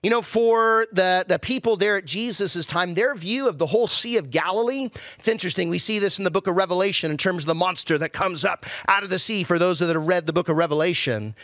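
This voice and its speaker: A male pastor delivering a sermon with a high, bright voice. He keeps it conversational, poses rhetorical questions, and drops low and slow when he quotes. The sound is close and dry. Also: dry recording.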